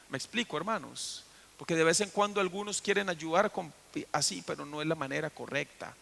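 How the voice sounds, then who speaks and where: A pastor from Costa Rica, a man with a high-pitched, gravelly and slightly bright voice, preaches a sermon in church. He tells the story and puts questions to the congregation.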